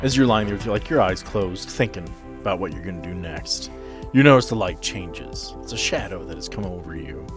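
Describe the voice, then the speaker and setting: A man's voice: sits low, lively intonation, brisk, over music. A man narrating a tabletop game as game master, setting scenes for a player.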